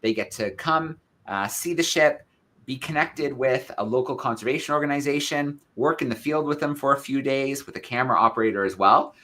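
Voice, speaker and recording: Male event host, bright upbeat delivery, chatty intros. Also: medium pitch, a little fast. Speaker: host of live classroom events. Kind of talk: live video call interview.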